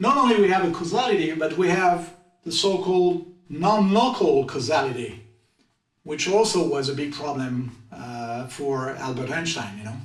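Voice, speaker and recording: Audible room echo surrounds a man with a fairly high pitch. He talks at a moderate pace with very wide pitch swings. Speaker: science educator. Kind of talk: explanatory lecture. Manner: hesitant, many fillers (you know, uh); animated, enthusiastic.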